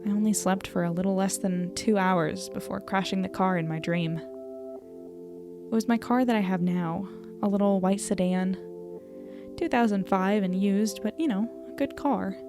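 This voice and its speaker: A woman's voice: medium pitch, unhurried, over music, natural voice. A woman playing a wry, troubled young reporter in an audio drama, speaking with dry, understated sarcasm. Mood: weary, musing. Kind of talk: audio drama acting, diary-like monologue and dialogue.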